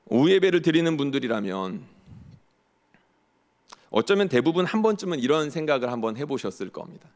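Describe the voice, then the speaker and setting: A man's voice: on the high side, big pitch swings, fairly quick, pauses often, darkish tone. A male pastor preaching a sermon in earnest, often posing rhetorical questions to the congregation. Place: church sanctuary. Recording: long church hall reverb.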